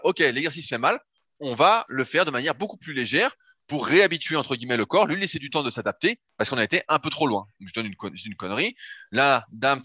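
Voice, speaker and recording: Talking casually on a podcast, this fitness coach breaks down his approach step by step and drops the odd curse. He has a pushed, bright, mid-range voice with no room sound, captured in a dull, lo-fi recording.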